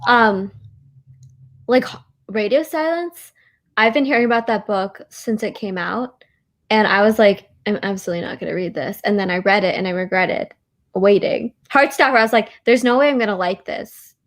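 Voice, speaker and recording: A woman's voice: mid-range voice, moderate pace. Young woman, American accent, casual live-stream co-host, informal, playful, self-deprecating. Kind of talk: casual chat. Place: in bed at home.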